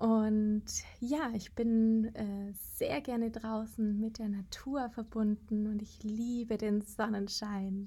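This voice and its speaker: A woman's fairly high-pitched, somewhat breathy voice with a dark, mellow tone, monotone, flat intonation and a very slow pace. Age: 20s. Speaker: nurse, yoga teacher and coach. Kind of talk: recorded interview answers.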